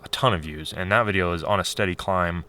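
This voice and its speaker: A man talking in a casual, unscripted vlog style, candid and rambling as he thinks aloud, his voice getting a little hoarse. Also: deep voice, quick pace, bright, forceful tone. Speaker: video creator.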